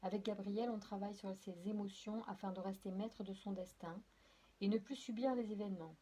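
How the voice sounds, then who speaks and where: A woman's voice: medium pitch, fairly even intonation, a little fast, mellow. Hesitant woman reading tarot cards. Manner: hesitant, many fillers and restarts, apologetic; addresses viewers directly. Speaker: tarot and oracle card reader. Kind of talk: casual spoken card reading.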